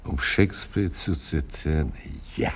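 An actor in a radio drama playing a weary, wry Jewish man who speaks slowly with dry, mournful irony. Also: rumbling low, husky, full character voice. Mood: bitter irony. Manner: slow, dry, ironic. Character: weary, wry Jewish man, grieving yet dryly ironic. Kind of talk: stage-like radio drama acting. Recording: prominent music behind the voice.

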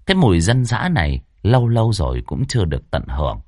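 Brief: male storyteller, lowish voice swinging wildly in pitch, bone-dry close recording. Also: fast, no echo. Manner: expressive, rhythmic storytelling. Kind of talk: ghost story narration.

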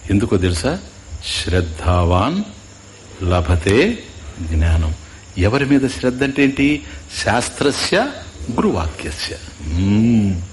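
Animated male spiritual teacher. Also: on the low side, slight background noise. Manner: keeps quizzing listeners, mixing in English asides. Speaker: Vedanta teacher. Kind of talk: spiritual discourse.

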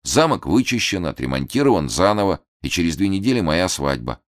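A man's voice: sits low, big pitch swings, fairly quick, no echo, clean studio sound. A man voicing a young male heir who speaks earnestly and insistently. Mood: surprised.

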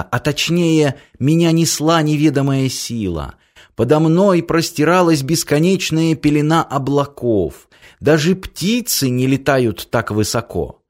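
A man reading a first-person story aloud in a measured way, with long pauses. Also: medium pitch, darkish tone. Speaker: audiobook narrator.

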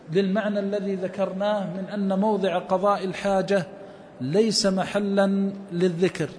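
High-voiced man teaching in an echoing hall. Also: a little mellow, a little hiss or hum. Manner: measured scholarly explanation, quoting verses and scholars. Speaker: Islamic scholar teaching a hadith text. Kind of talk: recorded religious lesson, explaining text line by line.

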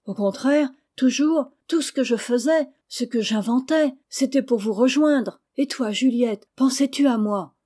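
A woman's voice: sits high, unhurried, few pauses, mellow, voice pushed up. Woman reading as an eager orphan boy. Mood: excited. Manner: eager, pleading. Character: impulsive mischievous orphan boy.

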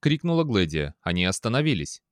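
A man narrating a science fiction audiobook in an expressive manner. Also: on the low side, fairly quick, dry recording, clean studio sound. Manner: expressive, with a lively tone. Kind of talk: scripted narration.

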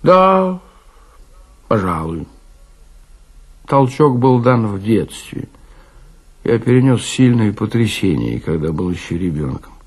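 A melancholy, worn-out café drinker acted by a man confides his past in a literary radio play. The voice is gravelly and husky, that of someone grown old before his time. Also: on the low side, sing-song, slow pace, long pauses, heavily acted. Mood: melancholy, reminiscing. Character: prematurely aged, gloomy, balding male café drinker recounting his childhood.

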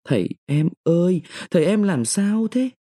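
A sugary young village wife who wails and pleads in a raised, swooping voice, as a man reading a storybook puts her on. Her tone is syrupy and full of show. The voice stays mellow and a little husky underneath. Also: high-pitched, big pitch swings, normal speed, voice pushed up. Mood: wailing. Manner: wailing, cloying.

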